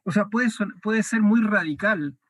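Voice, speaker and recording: Un hombre con acento chileno que entrevista a su invitado, razonando en voz alta con pausas y muletillas. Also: male voice, high-pitched, fairly bright tone, no echo. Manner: thoughtful, with frequent filler words. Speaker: interview host. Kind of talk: conversational interview.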